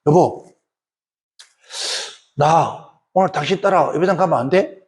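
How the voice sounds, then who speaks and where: A man voicing a middle-aged husband, a former drunk, gently asking his wife something. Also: a little high, a little slow, lightly acted. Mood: pleading.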